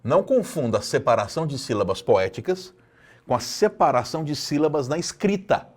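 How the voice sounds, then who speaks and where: A man from Brazil, teaching a video lesson in an expressive, emphatic way, repeating lines for effect. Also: on the high side, fairly quick. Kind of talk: video lecture.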